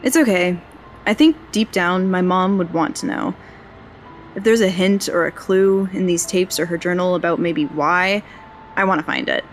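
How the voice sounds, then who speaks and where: A woman's voice: on the low side, normal speed, soft background music, lightly acted. An actor playing an earnest, wry young woman fresh out of journalism school who is investigating a mystery, in a naturalistic audio drama. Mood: subdued, earnest. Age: young adult.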